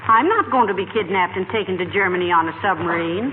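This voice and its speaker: An actress playing a wry, sensible wife in an old radio comedy. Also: female voice, mid-range voice, expressive, fast talker, very noisy, natural voice. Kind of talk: 1940s radio comedy acting. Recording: tinny old radio broadcast with loud audience.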